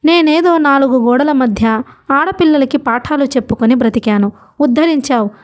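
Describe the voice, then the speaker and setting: A woman's voice: high-pitched, normal speed, no room sound, studio quality, voice pushed up, natural voice. A woman voicing a bold young dancer who teases in a brash, mocking way.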